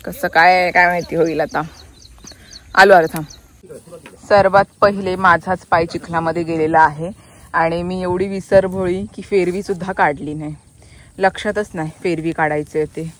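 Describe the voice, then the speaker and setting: A young woman vlogging outdoors on a village farm, chatty and quick to laugh as she calls out to her family. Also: fairly low pitch, steady tone, a bit bright. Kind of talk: casual vlog narration.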